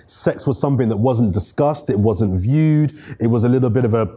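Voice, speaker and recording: A man in his thirties hosting a discussion, asking measured, thoughtful, probing questions. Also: mid-range voice, mellow. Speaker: host. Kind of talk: interview questions. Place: bright studio room, city view.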